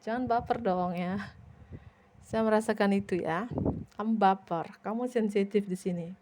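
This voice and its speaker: A woman reading tarot cards for her viewers, speaking gently and directly to the listener with a repeated "ya". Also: mid-range voice, moderate pace, background noise. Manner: addresses viewer directly, repeats tag "ya" often. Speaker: tarot reader.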